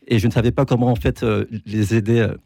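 Man, 40s, from Normandy, dark husky tone, earnest halting answers, dry studio sound. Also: mid-range voice, level tone, no echo. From France (Normandy). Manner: halting, many restarts, earnest. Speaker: photographer guest. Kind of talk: interview answers.

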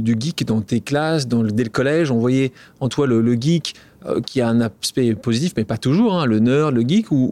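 A man's voice: medium pitch, darkish tone. A man hosting a podcast, asking informal, rambling questions full of restarts. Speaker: podcast host. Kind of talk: casual interview questions.

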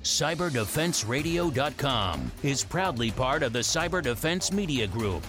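A man reads a show outro with a lively, swinging pitch. Music plays clearly behind him. His delivery is that of a broadcast announcer. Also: unhurried. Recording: announcer voice over music bed.

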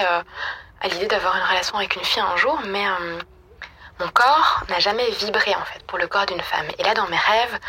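A woman leaving a personal voicemail in a hushed, half-whispered voice. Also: medium pitch, slight background noise. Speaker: listener leaving a voice message. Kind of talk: personal voice message.

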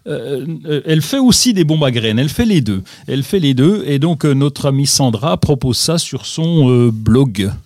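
A man's voice: mid-range voice, expressive, normal speed, hardly any pauses, a little mellow, no echo, studio quality. A man co-hosting a gardening radio show, chatting casually and hesitantly with many fillers.

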